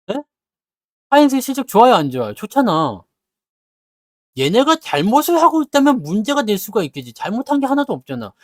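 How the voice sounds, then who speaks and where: A man giving casual stock market talk, scolding his viewers with blunt rhetorical questions and acting out their grumbling in quick asides. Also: very high-pitched, big pitch swings, dry recording, clean studio sound.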